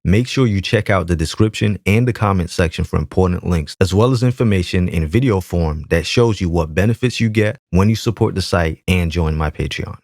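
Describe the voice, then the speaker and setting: A man delivering a channel promo outro in a steady, promotional manner. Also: sits low, brisk, few pauses, dry recording, clean studio sound. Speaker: channel host. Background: faint music.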